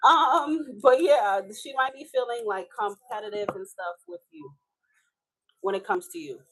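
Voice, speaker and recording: A woman's voice: on the high side, normal speed, very noisy. Chatty Haitian-accented tarot reader woman. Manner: casual, chatty, swears and laughs often. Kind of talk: live tarot reading.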